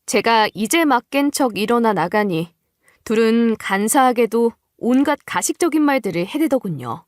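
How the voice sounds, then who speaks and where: A woman playing a wary, quietly cunning young wife, telling her story in scripted first-person narration with composed politeness. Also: on the high side, animated, moderate pace, no echo, clean studio sound, lightly acted. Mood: wry, confiding.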